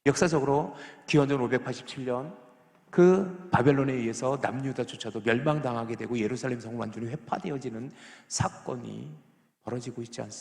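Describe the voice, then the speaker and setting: Gravelly pastor preaching in an echoey church. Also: male voice, medium pitch. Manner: preaching with rhetorical questions to the congregation; swings from hushed to loud and emphatic. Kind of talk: Sunday morning sermon. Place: church sanctuary. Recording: echoey church hall with long reverb.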